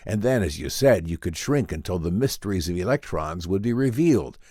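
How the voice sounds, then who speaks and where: Man playing an earnest, deep-voiced learned professor. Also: expressive, darkish tone, no echo, clean studio sound. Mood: grave, cautious. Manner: formal, explanatory, deliberate. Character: earnest, learned male professor and inventor, grave and measured. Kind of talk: dramatic audiobook reading in old-time radio drama manner.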